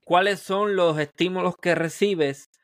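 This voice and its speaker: A man with a Puerto Rican accent hosting a history podcast, asking measured questions and adding short encouraging replies. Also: sits high, fairly even intonation, dry recording, clean studio sound. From Puerto Rico. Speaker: podcast host. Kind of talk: interview host.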